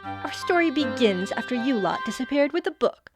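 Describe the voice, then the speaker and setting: A woman's voice: sits high, expressive, moderate pace, music in the background. A woman playing a breezy, theatrical schoolgirl in an audio drama comedy, chatty and slangy as she tells things dramatically. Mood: breezy storytelling. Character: breezy, theatrical teenage girl student, loves acting.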